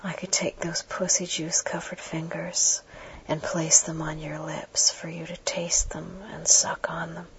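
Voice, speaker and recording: A woman performs a whispered role-play, intimate and hushed, as if right in the listener's ear, instructing the listener directly. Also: low voice, flat delivery, measured pace. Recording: dull muffled audio with clear background noise.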